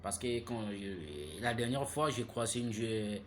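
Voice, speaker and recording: A man's voice: lowish voice, expressive, measured pace, slight background noise. Heated man lecturing. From Gabon. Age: 30s. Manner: preachy, repeats himself, asks listeners "hein?"; grows loud and heated. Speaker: vlogger. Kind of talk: impassioned monologue.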